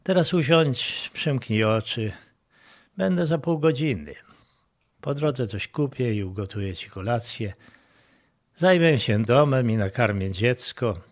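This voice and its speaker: A man's voice: medium pitch, lively intonation, unhurried. A man reading as a soothing older woman on the phone. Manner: soothing, reassuring.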